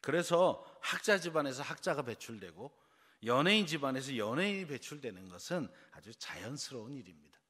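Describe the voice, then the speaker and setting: The long reverb of a church sanctuary surrounds a Seoul pastor's mid-range, slightly bright voice, which swings widely in pitch at a brisk pace. Preaching an early-morning sermon, the South Korean man keeps the congregation engaged with quiz questions.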